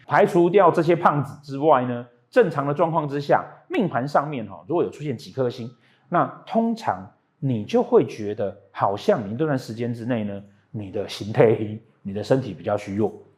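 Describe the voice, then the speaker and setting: A man's medium-pitched voice with very wide pitch swings, big swings in loudness, and a moderate pace on a very clean recording with a silent background. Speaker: astrology teacher. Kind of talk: tutorial. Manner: casual with many fillers.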